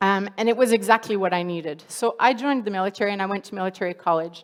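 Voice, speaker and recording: With an unremarkable speaking voice, this woman holds a medium pitch and ordinary pitch variation. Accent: Canadian. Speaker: military officer. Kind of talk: conference speech.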